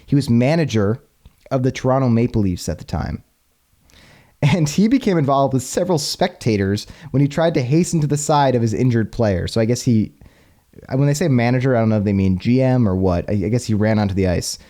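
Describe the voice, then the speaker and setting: Laid-back guy hosting a podcast, warm mellow voice, chatty and laughy. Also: medium pitch, animated, a little fast. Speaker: podcast host. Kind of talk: casual chat, hockey history podcast.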